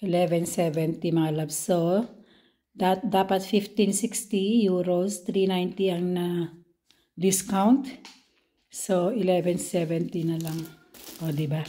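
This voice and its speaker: A Filipino nanny with a Filipino accent vlogs casually while she works, chatting to viewers as if they were friends. Her voice is on the low side, dark and steady, and she speaks slowly. Filmed on a handheld compact camera both inside the house and out in the garden, the audio sounds roomy.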